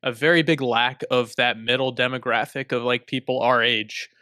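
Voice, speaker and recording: Bright, crisp-voiced young man. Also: medium pitch, fairly even intonation, normal speed, no echo, studio quality. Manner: self-deprecating, restarts often. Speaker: podcast co-host. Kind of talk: casual chat.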